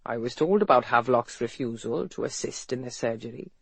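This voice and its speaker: A narrator voicing a dry, amused Welsh businessman with a Welsh accent, speaking low and frankly. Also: expressive, fairly quick, creaky, husky, dry recording.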